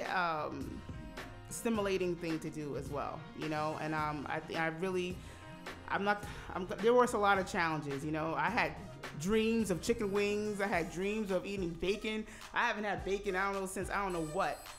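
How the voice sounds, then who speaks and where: A woman's voice: mid-range voice, normal speed, faint music behind. A woman in her forties hosting a radio talk show, chatting casually with many fillers and easy laughs. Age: 40s. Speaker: radio host. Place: radio studio. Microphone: studio microphone.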